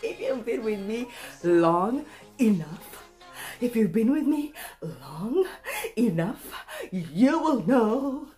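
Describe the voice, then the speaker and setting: A woman in her thirties chatting casually to viewers in a playful, animated, self-mocking way, recorded at home a step from the camera. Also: on the high side, takes it slowly, faint music behind. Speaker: vlogger. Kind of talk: casual chatty unboxing vlog. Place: room at home.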